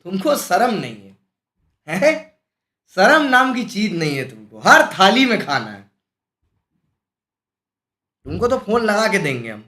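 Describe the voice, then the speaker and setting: A man teaching a live-streamed exam-prep class, animated and scolding, full of rhetorical questions. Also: sits high. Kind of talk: lively live-streamed lecture. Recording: echoey room.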